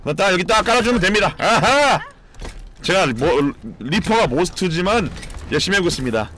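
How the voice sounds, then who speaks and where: A man streaming a competitive game, commenting live, cheering teammates and shouting and swearing as he plays. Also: sits high, moderate pace, slight background noise. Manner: excitable, shouts and swears during play; cheers on teammates with repeated calls.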